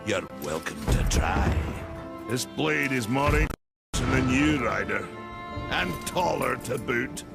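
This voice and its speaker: Gravelly, swaggering giant warrior. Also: male voice, mid-range voice, expressive, slow pace, over loud music. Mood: taunting. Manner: taunting, boastful. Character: cocky, towering, mocking warrior maker. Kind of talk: video game cutscene acting.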